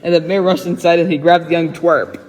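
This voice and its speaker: A man's voice: fairly high pitch, steady tone, fairly quick, darkish tone. A man doing a dramatic, giggly read-aloud of a rhyming children's picture book. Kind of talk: dramatic storybook reading with frequent giggling. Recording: echoey reverberant room sound.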